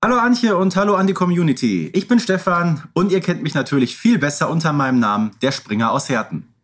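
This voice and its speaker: A man co-hosting a podcast, chatting and explaining things in a measured, playful way. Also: on the high side, animated, a bit bright. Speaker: podcast co-host. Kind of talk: chatty fan podcast talk.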